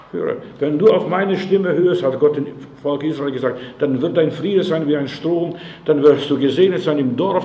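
A man's voice: on the high side, a little mellow, a little hiss or hum. A man preaching a sermon as pastor, speaking directly to the listener in a conversational way and often asking if they understand. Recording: echoey room.

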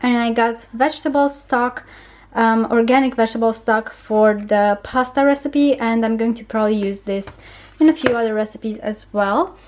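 Her voice is on the high side with a darkish tone, moving at normal speed. The young adult vlogger chats informally in her home kitchen, laughing a little between remarks as she holds the camera.

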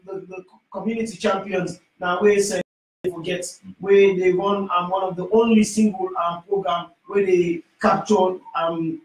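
Hesitant Sierra Leonean radio host, high voice. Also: male voice, recorded from a distance. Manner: hesitant, many "um" fillers. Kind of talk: call-in radio talk show. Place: small radio studio. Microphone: studio microphone, headphones. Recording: echoey studio from off-mic.

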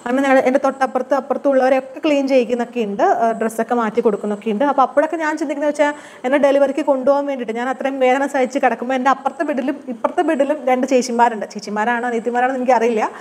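A woman's voice: sits high, fairly even intonation, racing, a little mellow. A young woman with a Malayali accent tells her own childbirth story in a casual, chatty way, acting out what the nurses and she herself said.

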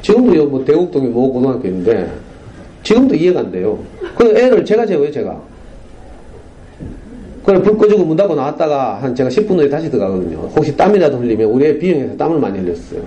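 경상도 억양의 중년 남성이 학교 강당에서 학부모들에게 청중에게 질문을 던지며 생생하게 이야기를 풀어내는 강연을 합니다. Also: male voice, medium pitch, quick pace, muffled recording, a little hiss or hum. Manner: animated storytelling, rhetorical questions to the audience. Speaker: parenting lecturer. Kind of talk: lively lecture to parents. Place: school lecture hall.

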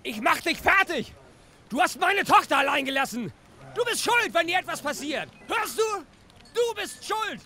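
A man's voice: very high voice, sing-song, moderate pace, full character voice. An enraged desperate father. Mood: raging. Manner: shouting, accusing. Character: enraged desperate father, middle-aged man. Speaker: furious father of a missing girl.

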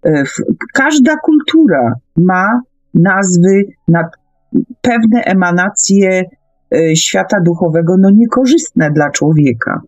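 Slow, halting woman in discussion. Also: lowish voice, lively intonation, darkish tone, no room sound, lo-fi sound, soft background music. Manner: halting, searching for words, hesitant. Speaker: speaker on a paranormal radio discussion. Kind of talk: conversational discussion, explaining at length.

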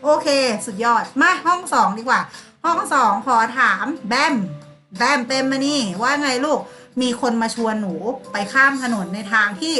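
A woman's voice: sits high, lively intonation, moderate pace, sharp tone, faint music behind. A woman teacher giving a lesson to primary school pupils, calling on them by name and acting out sample replies. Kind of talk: online class lesson.

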